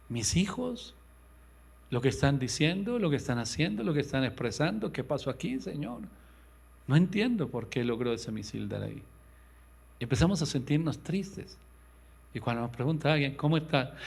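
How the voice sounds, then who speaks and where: A male pastor delivering an impassioned sermon, swinging between loud, raised lines and hushed, low ones, and acting out quoted voices in a higher pitch. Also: gravelly, breathy edge. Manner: impassioned preaching with sudden loud rises and hushed drops. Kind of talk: radio sermon.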